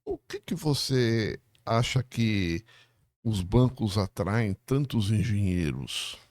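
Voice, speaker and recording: A man hosting a podcast interview, asking hesitant, halting questions with many restarts. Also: fairly low pitch, very animated, darkish tone, dry recording, clean studio sound. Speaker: podcast host.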